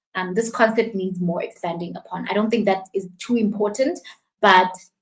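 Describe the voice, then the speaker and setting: Audible room echo surrounds a woman speaking at medium pitch. She talks at a fairly quick pace. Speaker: online business coach. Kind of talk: live workshop lecture. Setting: livestream. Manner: loud; animated.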